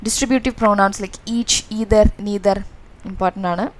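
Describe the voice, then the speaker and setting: A woman's voice: medium pitch, fairly even intonation, very slow. A woman with a Malayali accent coaching students through exam revision, explaining in a mix of Malayalam and English with many fillers. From Kerala, India.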